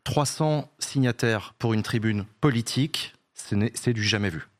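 A man's voice: mid-range voice, moderate pace. A man hosting a talk show, introducing guests and framing their questions. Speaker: host.

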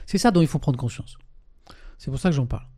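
A man's voice: mid-range voice, animated, fast, dark tone, breathy edge, no echo, clean studio sound. A man hosting a casual live stream who reads article passages aloud and comments on them, often tagging his sentences with a conversational "hein".

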